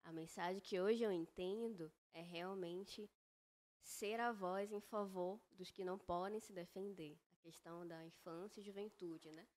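A woman speaking as a guest on a Christian podcast, earnest and reflective, measured in her phrasing. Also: on the low side, steady tone, darkish tone. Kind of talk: faith-based podcast conversation.

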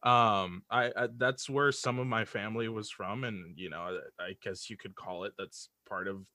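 A man's voice: fairly low pitch, steady tone, moderate pace, sharp tone. A man in a casual podcast conversation, rambling reflectively and voicing imagined quotes as he goes.

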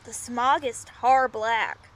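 A woman's voice: a little high, takes it slowly. A woman playing a weary, protective young traveller in an audio drama, casual and blunt in delivery. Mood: wry, concerned. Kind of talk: naturalistic audio drama acting.

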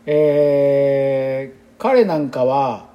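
A man's voice: mid-range voice, very slow, dull audio. A man in his sixties with a Kansai accent, an exercise instructor talking in a rambling, chatty and reflective casual monologue. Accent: Kansai Japanese. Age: 60s.

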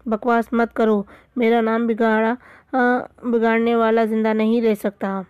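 A threatening tribal chief who speaks with menace, as a woman reads him aloud. The voice is slightly high and flat. The sound is dry. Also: smooth, no echo, lo-fi sound, natural voice. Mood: menacing. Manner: menacing, angry.

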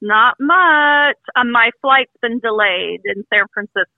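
A woman's voice: a little high, lively intonation, measured pace, gravelly, very noisy. A woman calling in over the phone, chatting casually and laughing easily. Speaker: caller. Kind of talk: casual chat. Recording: tinny phone line.

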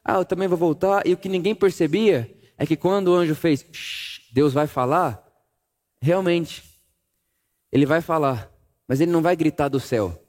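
A man preaching a sermon, telling the story dramatically, dropping to a hush and rising again as he acts out scenes. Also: a little high, animated, moderate pace. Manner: dramatic storytelling, acting out scenes with hushed and raised voice.

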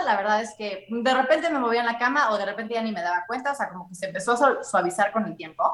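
A woman with a Mexican accent telling a story in casual chat, animated and vivid. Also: on the high side. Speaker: podcast guest. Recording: roomy echo.

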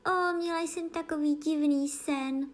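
A woman's voice: high-pitched, voice pushed up, close to an everyday voice. A woman voicing a bold, outspoken young girl in a storybook reading. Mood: defiant. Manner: defiant, lively.

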